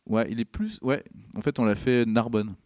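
A man's voice: mid-range voice, moderate pace. A man from Brittany, a film director, chatting as a podcast guest and acting out the people in his anecdotes. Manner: animated storyteller, acts out quoted people. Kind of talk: casual interview chat.

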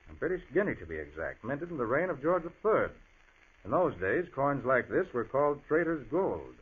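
An actor playing a calm, confident male detective in a 1940s radio drama, explaining clues in an assured manner. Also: medium pitch, normal speed, slightly rough. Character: cool-headed male detective, middle-aged, confident. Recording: muffled old radio broadcast.

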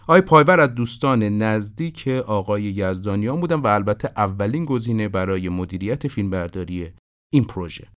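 A man hosting a podcast, narrating production history in an informative, steady way. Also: on the low side. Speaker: podcast host. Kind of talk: scripted narration about film production.

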